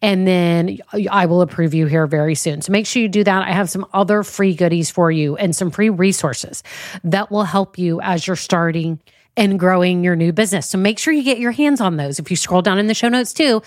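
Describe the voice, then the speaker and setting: A middle-aged woman hosts a solo business podcast as a business coach, speaking at a moderate pace in a fairly low voice that sounds stuffy and nasal from a blocked nose. She's upbeat and chatty, saying "y'all" a lot, and the studio-quality recording has no room sound.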